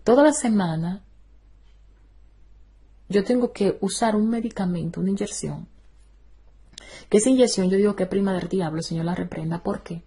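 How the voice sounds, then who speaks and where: A woman's voice: mid-range voice, moderate pace, pauses often, dark tone, breathy edge. A middle-aged woman evangelist, giving a fervent testimony sermon and breaking in with praise exclamations.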